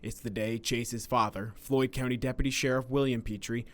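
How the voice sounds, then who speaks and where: A man reading a scripted news voice-over in a measured, solemn way. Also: mid-range voice, fairly even intonation. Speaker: news reporter.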